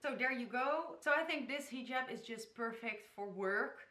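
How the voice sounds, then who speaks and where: A young woman from the Netherlands chats her way through a casual tutorial, giggling and stumbling over place names. Her voice is clear and bright and sits a little high. The bedroom around her gives it a noticeable echo. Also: normal speed. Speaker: hijab tutorial vlogger. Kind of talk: casual tutorial talk to camera. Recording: echoey bedroom.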